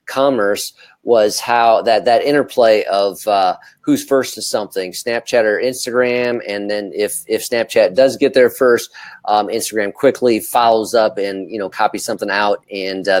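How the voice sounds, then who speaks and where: Male co-host, slightly deep, very dry close sound, hesitant conversational delivery. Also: steady tone, normal speed, no echo. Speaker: talk show co-host. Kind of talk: casual talk show chat.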